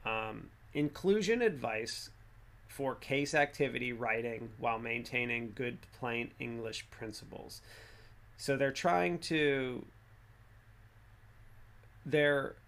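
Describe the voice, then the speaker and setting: A man's voice: mid-range voice, animated, takes it slowly, pauses often, a bit bright. A man giving casual, rambling advice to viewers about instructional design, with lots of fillers and restarts. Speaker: instructional design host answering viewer questions.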